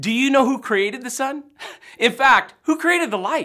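The voice is raised and projected. Its tone is bright and sharp over a quiet background. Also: man. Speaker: pastor. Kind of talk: sermon. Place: studio.

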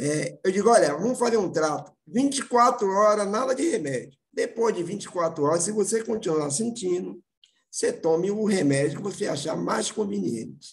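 With lively intonation and a high pitch, a man speaks at a moderate pace. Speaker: course student. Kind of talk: testimony. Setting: video call.

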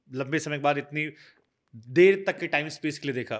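A man at a fairly high pitch and moderate pace, with ordinary pitch variation. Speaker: news anchor and podcast host. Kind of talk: casual interview. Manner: fresh even after long interview.

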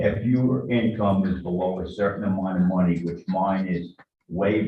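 Somewhat breathy and very deep in pitch, a man speaks at a fairly slow pace with fairly even intonation. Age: 70s. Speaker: public commenter at city council. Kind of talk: public comment at council meeting. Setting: city council meeting.

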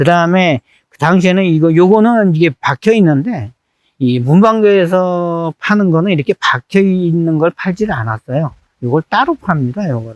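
With a high pitch and lively intonation, a man talks at a moderate pace. His loudness swings widely, and the sound is dry and close with no echo. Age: 60s. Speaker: architect, interviewee. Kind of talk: interview answer, recalling childhood games.

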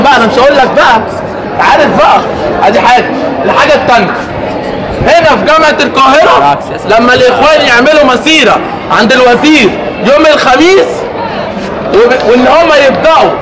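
A man at a moderate pace with ordinary pitch variation and long, frequent pauses, crowd noise behind him. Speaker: speaker. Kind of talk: protest speech. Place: street. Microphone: camera far.

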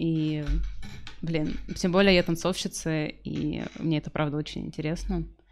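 A woman speaks. Her pitch sits fairly low. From Siberia, Russia (Achinsk); Siberia, Russia. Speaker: burlesque dancer and twerk teacher; twerk teacher. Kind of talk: casual chat. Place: studio. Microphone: studio mic.

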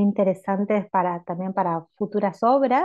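Here is a woman with an unremarkable speaking voice and a medium pitch. She goes at a fairly slow pace with ordinary pitch variation. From Corrientes, Argentina. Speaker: festival ambassador. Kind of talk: casual interview chat.

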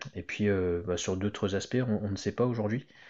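This man speaks in a fairly low voice. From Hong Kong. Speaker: car-news YouTuber. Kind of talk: casual video commentary. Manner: hesitant, many fillers.

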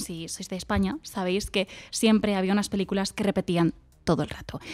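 A woman at a medium pitch, fairly quick and animated, with ordinary pitch variation and a quiet background. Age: 20s. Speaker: streamer and multidisciplinary artist; streamer. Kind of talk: casual chat. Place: studio. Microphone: studio mic.

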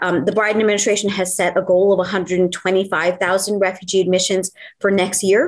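This woman speaks at a moderate pace with a medium-pitched voice. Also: quiet background. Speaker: nonprofit CEO. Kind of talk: panel discussion. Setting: video call. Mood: earnest, advocating. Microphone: webcam.

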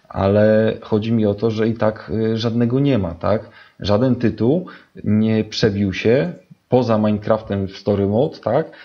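Speaking at a fairly slow pace with ordinary pitch variation, this is a normal speaking voice. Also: man, fairly low pitch for a man. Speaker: gaming podcast co-host. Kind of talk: casual chat.

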